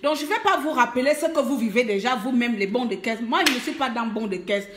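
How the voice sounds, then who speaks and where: A woman from Gabon with a Gabonese French accent calls her compatriots to mobilize during a live stream. Her voice sits a little high, and she speaks emphatically while stumbling over many fillers. The room around her is echoey. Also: fairly quick, noisy background. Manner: emphatic, hesitant, full of fillers, switches languages. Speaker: activist making a call to mobilize. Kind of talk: live video appeal. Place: abroad, away from home country.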